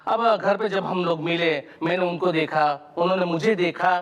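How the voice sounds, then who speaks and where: A man's voice: high voice, steady tone, moderate pace, lo-fi sound, natural voice. An actor playing a whiny young man in his twenties who pleads a long comic complaint at a police station. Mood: pleading.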